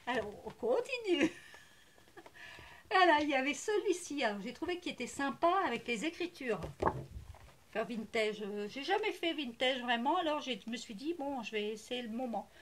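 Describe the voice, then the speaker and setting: A crafting vlogger shows off her haul, chatting casually to the camera in a high, expressive voice at a moderate pace. She's hesitant and full of fillers, gushing and repeating herself, with slight background noise behind her.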